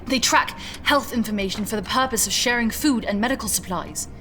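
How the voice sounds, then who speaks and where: An actress as a dry, high-voiced scientist. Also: female voice, brisk, a bit bright, soft background music, natural voice. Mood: dismissive. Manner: dry, exasperated, matter-of-fact. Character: proud, skeptical female scientist, stubborn and dry. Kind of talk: science fiction audio drama acting.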